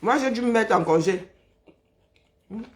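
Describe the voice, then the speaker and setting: A Cameroonian woman with a hoarse, broken voice, chatting casually on a live stream and greeting viewers by name, exhausted, teasing, humming and sighing between remarks. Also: a little high, lively intonation. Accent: Cameroonian French. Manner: chatty, teasing, drawn-out sighs and hums. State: hoarse, worn-out voice.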